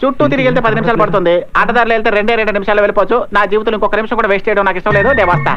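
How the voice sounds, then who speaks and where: A man's voice: high voice, fairly even intonation, racing, bright, forceful tone, soft background music. A man dubbing a wisecracking young male sidekick who jokes sarcastically, in a film dub. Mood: joking. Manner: sarcastic comic banter. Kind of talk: dubbed film dialogue. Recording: dull dubbed film audio.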